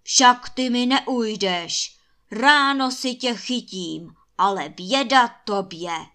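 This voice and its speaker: A huge, mocking male giant from a fairy-tale storybook roars slowly, dragging out every threat, voiced by a woman reading the tale. The tone stays bright and sharp under the shouting. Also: on the high side. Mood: furious. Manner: roaring, slow and drawn out.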